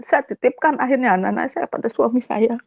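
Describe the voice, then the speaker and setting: A woman's voice: a little high, a little fast, gravelly, darkish tone, breathy edge, no room sound, dull audio. A woman from West Java giving an emotional personal testimony, speaking directly to her audience and mixing in English words. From West Java, Indonesia. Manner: tearful, impassioned storytelling, addresses the audience directly.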